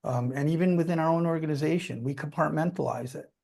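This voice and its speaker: A man's voice: on the high side, quick pace, vocal fry, a little mellow. A man speaking as a company executive, answering questions off the cuff on an earnings call in an emphatic, repetitive way that keeps checking for agreement.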